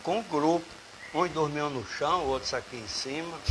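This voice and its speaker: Noticeable background noise behind a man talking at a moderate pace, his pitch varying in an ordinary way. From Brazil, Natal (Rio Grande do Norte). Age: 80s+. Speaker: retired doctor and storyteller guest. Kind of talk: casual interview chat before live audience. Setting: bar with audience, live streamed.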